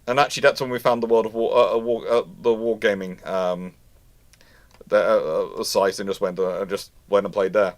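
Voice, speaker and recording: A man's voice: fairly low pitch, fairly even intonation, moderate pace, no echo. A man hosting a casual livestream as a historian, rambling and often repeating or rephrasing his words as he goes. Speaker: livestream host, naval historian. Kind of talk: casual chat, answering viewer questions.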